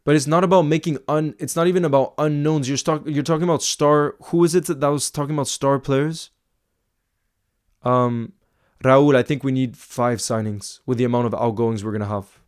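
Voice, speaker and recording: A man's voice: medium pitch, steady tone, normal speed, clean tone. A man with an American accent, of half French and half Icelandic origin, hosting a casual football livestream, reading viewer comments and repeating words for emphasis.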